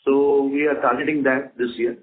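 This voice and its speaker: A man with an Indian accent answering investor questions as a company executive, repeating words and phrasing things haltingly. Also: medium pitch, flat delivery. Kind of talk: unscripted investor conference call answers. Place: telephone conference call. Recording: phone-like conference call audio.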